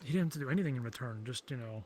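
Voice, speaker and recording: Man playing offhand, mid-pitched fantasy townsman. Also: animated, racing, a loud crowd, lightly acted. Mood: wry, animated. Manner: rambling, offhand, colloquial. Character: casual, blunt townsman in a fantasy world. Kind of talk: improvised in-character roleplay dialogue.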